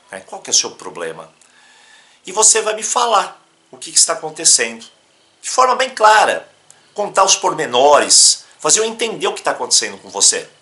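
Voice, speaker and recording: A man from Brazil teaching a self-help practice in an emphatic, instructional talk. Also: a little high. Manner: animated, emphatic, breaks into demonstrations.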